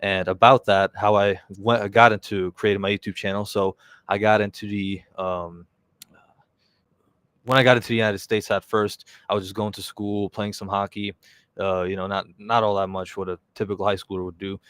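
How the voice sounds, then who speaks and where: A young man of about twenty talks casually to his live stream viewers. His voice sits low and sounds smooth and clear, in a dry space. He rambles, filling pauses with "uh" and correcting himself mid-sentence. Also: flat delivery, fairly bright tone, no room sound. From Czech Republic. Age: around 20. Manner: rambling, with many fillers and self-corrections. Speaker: YouTuber hosting a live stream.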